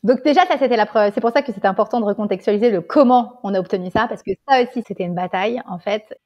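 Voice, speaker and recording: A woman guest on a podcast telling an animated, casual story, swearing freely and checking in with the listener. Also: mid-range voice, quick pace, highs cut off. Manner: animated, swears casually, keeps saying "tu vois". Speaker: guest, tea salon founder.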